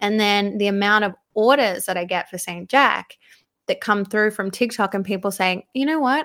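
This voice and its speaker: A woman speaks at a moderate pace in an Australian accent, her pitch medium with ordinary variation. The recording is very clean, with a silent background. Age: 20s. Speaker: cosmetics business founder and makeup artist. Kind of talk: casual chat. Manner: animated.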